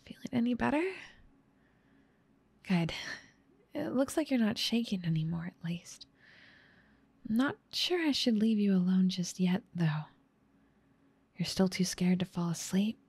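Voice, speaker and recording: A woman voicing a gentle, caring big sister in an ASMR roleplay, soft and slightly scratchy, tender and soothing, often whispering. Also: mid-range voice, lively intonation, a little slow, vocal fry, pauses often, slightly rough, no room sound, exaggerated voice.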